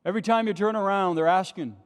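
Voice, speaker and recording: A man's voice: sits high, fast, smooth. A male pastor preaching an impassioned sermon at a pulpit microphone in a large, nearly empty church, asking rhetorical questions. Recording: long church reverb.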